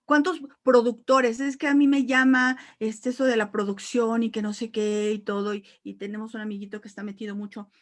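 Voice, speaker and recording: Mexican lady pastor preaching, kinda high voice, super animated, acts out little voices. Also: a little fast, few pauses. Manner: animated, acts out quoted voices, repeats words for emphasis. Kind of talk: sermon.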